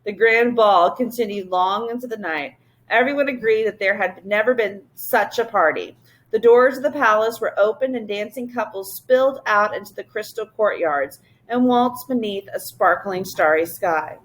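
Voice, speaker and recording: A woman teacher reading a children's novel aloud to her class in a steady, expressive narration. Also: medium pitch, moderate pace, poor audio.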